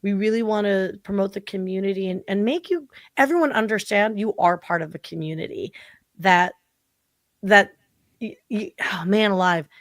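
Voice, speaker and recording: A woman's voice: medium pitch, normal speed, dry recording, studio quality. A woman in her forties, a guest on a podcast, talking casually and animatedly with lots of filler words. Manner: chatty, animated, full of "like" fillers. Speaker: podcast guest, marketing consultant. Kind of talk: casual interview chat.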